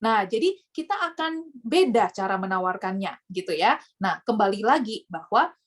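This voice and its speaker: A woman's voice: mid-range voice, big pitch swings, normal speed. A woman teaching sales in a casual, friendly way, often acting out little customer conversations. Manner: acts out customer dialogues with quoted voices; casual, friendly, many fillers. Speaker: business coach. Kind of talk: sales training talk.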